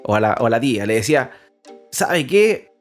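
A man's voice: fairly low pitch, steady tone, very fast, faint music behind. A man co-hosting a Christian parenting podcast, talking earnestly and rambling with many restarts and repeated words. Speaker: podcast co-host.

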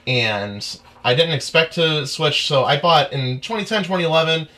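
A young man, a guitarist guest, telling stories in a rambling, animated way during a casual interview. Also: fairly high pitch, normal speed. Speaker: musician guest.

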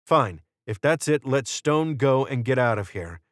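A man's voice: mid-range voice, expressive, unhurried, no echo, voice pushed up, close to an everyday voice. A man voicing a terse, grim hero in an audiobook, with a controlled, dry delivery. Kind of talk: audiobook character dialogue.

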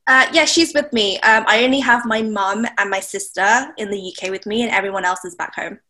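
A woman's voice: mid-range voice, a little fast, sharp tone. A young woman from Thailand, a blogger being interviewed, chatting casually with lots of fillers and laughs. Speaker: blogger, guest.

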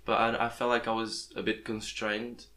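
Hesitant young man, low and flat. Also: normal speed. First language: Portuguese. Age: young adult. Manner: hesitant, restarts words often. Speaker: podcast host. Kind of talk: casual interview chat. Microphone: plugged-in podcast microphone.

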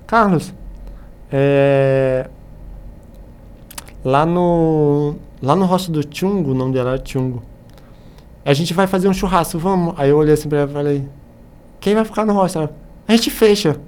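A Brazilian man chatting casually as a podcast guest, telling anecdotes in an animated way and acting out the dialogue. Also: fairly high pitch, normal speed, pauses often, smooth. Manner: animated retelling with acted-out dialogue.

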